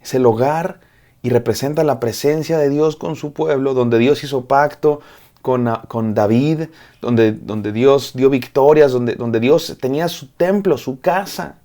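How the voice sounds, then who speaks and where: A man's voice: mid-range voice, unhurried, mellow. A man, a pastor, preaching a devotional sermon, repeating phrases in rhythmic lists and speaking straight to the listener.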